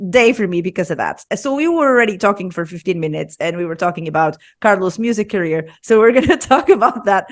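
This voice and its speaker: A woman hosting a relaxed podcast chat, with a voice of ordinary pitch for a woman. She sounds bubbly and laughs often between her questions. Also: fast, few pauses. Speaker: podcast host. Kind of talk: casual podcast interview.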